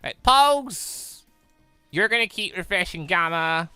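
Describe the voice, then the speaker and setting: A gamer giving casual let's play commentary, muttering moves and thinking out loud. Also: medium pitch, expressive, slow, smooth, no room sound, soft background music. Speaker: gaming video host.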